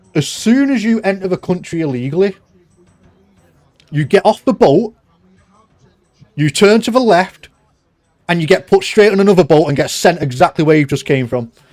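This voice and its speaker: A man with a Mancunian accent, high-pitched and animated, lively intonation, moderate pace, long and frequent pauses. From northern England, Manchester. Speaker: livestreamer, political commentator. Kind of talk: live stream commentary. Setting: live stream. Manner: casual, animated.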